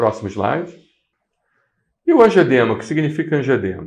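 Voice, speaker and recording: A man is talking at a fairly quick pace. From Brazil. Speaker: allergy doctor giving a medical talk; physician lecturing. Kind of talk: lecture with slides.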